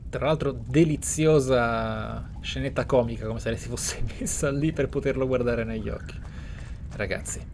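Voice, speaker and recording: A man giving dramatic game commentary as a streamer, theatrical and deliberate, with drawn-out phrases. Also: mid-range voice, a little mellow, slight background noise. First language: Italian. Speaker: gaming streamer. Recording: faint game ambience behind. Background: video game sounds.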